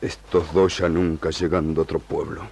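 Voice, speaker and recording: A stern indigenous chief speaks in a deep, rough-edged voice. His Spanish is broken and halting, strung together with gerunds, as in an old radio serial. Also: level tone, darkish tone, heavily acted. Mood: grave, judging.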